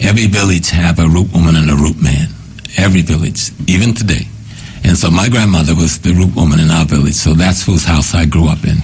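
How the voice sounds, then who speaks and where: With an American accent, a man talks at a fairly quick pace in a very deep, low pitch, his loudness very even and his pitch variation ordinary. Audible room echo and noticeable background noise surround him. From US South, Gullah/Geechee area of South Carolina. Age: 70s. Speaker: professor and spiritual leader. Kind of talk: radio interview.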